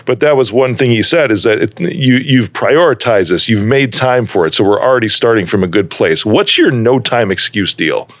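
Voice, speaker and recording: A man's voice: mid-range voice, animated, moderate pace, hardly any pauses, no room sound. A man from Chicago with a neutral American accent, hosting a podcast in a laid-back, jokey way. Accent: neutral American, trained away from Chicago. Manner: laid-back, jokey, calls people dude. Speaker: podcast host. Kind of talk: casual podcast chat.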